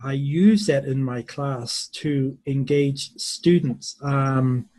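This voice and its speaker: Slow, thoughtful man from New Zealand. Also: mid-range voice, a little mellow, no room sound, low-quality recording. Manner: slow, thoughtful, with many pauses and fillers. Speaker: university English teacher. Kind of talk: interview answers.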